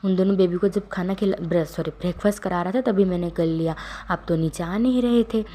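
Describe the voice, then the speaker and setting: A woman's voice: lowish voice, brisk, dark tone, natural voice. Woman voicing a chiding, fond young spouse. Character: busy young male spouse, scolding yet fond.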